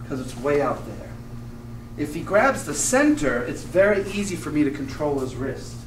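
A man's voice with noticeable background noise. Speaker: martial arts instructor. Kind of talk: class instruction. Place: gym. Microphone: camera far.

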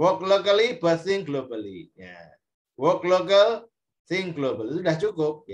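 A man speaks with a high pitch and lively intonation. He keeps a fairly slow pace. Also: big swings in loudness, quiet background. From Jepara, Central Java; Central Java, Indonesia. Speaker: university lecturer. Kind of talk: lecture. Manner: explanatory, code-switching Indonesian and English. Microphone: video call.

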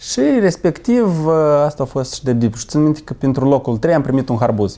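Dark, mellow tone from a man, ordinary pitch variation throughout. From Moldova. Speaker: canoe athlete and university lecturer; university lecturer. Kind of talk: interview. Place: studio. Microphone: lapel.

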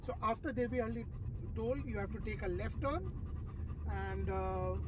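A man speaks in a dry sound with no echo over noticeable background noise. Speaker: travel vlogger driving. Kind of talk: casual vlog chat. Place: car. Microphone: phone near.

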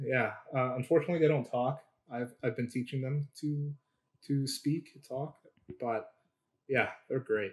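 A somewhat breathy man speaks at a moderate pace with fairly even intonation. He takes long, frequent pauses against a quiet background. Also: medium pitch for a man. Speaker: podcast host, music student. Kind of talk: casual interview chat. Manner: halting, hesitant. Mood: light, joking. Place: home room. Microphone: video call.

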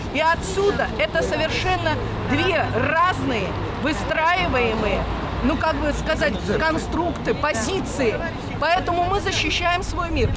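A woman speaks at a very slow pace with long, frequent pauses. Crowd noise is in the background. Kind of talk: impassioned street speech. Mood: earnest, argumentative. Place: street.

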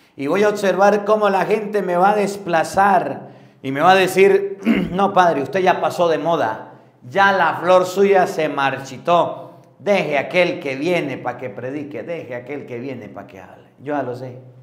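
Audible room echo frames a man with a high pitch. He talks at a fairly slow pace with lively intonation. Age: 30s. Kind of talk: sermon. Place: church. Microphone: lapel.

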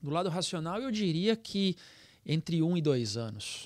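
Over a quiet background, a man speaks at a fairly slow pace with lively intonation and a dry sound with no echo. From Brazil. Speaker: solar panel business owner. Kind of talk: casual interview chat. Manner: halting. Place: studio. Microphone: studio mic.

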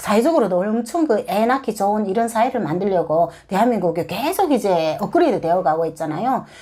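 Speaking at a fairly quick pace with hardly any pauses, a woman with a medium pitch and a dark, mellow tone keeps her loudness very even while her pitch swings very widely. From North Korea. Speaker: North Korean defector, former soldier, YouTuber. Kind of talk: interview testimony.

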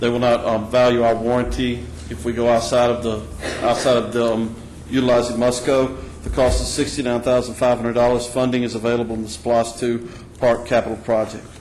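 Amid noticeable background noise and audible room echo, a man speaks fairly quickly at a medium pitch with monotone, flat intonation. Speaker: county staff presenting agenda items. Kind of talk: public meeting presentation. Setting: county board meeting. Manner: fast.

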